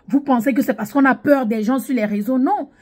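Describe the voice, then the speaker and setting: A woman's voice: high voice, a little fast, a little mellow. A young adult woman doing casual commentary, talking emphatically as she reacts to someone's posts. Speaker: online commentator.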